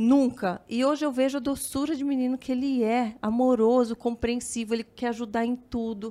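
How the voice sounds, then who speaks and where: A woman speaks at a moderate pace with a high pitch and a dark, mellow tone. Her intonation stays monotone and flat, with hardly any pauses. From Brazil, interior of São Paulo state. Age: 40s. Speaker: podcast host and former model. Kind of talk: casual chat.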